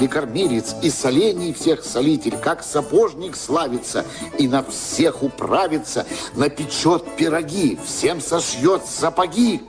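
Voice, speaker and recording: Slow-paced fairy-tale narrator over music. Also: male voice, fairly high pitch. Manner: rhythmic, rhyming storytelling. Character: male fairy-tale narrator with folksy verse. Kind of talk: radio play narration.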